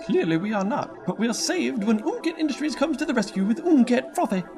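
A woman's voice: big pitch swings, brisk. A woman doing a folksy gushing ad announcer. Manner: folksy, gushing pitch talk. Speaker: radio ad presenter. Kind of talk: old-time radio comedy ad. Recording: music bed under voice.

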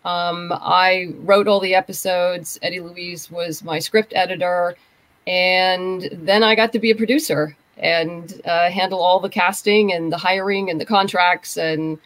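A woman's voice: lowish voice, dry recording, low-quality recording. A woman speaking as a guest in a casual interview, explaining her work as a writer and producer. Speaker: writer and audio drama producer, podcast guest.

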